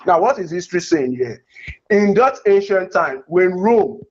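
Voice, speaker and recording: A man's voice: high-pitched, animated, unhurried, darkish tone. A Nigerian man with a Nigerian accent arguing insistently in a heated religious debate, repeating phrases as he presses his point. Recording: dull lo-fi audio.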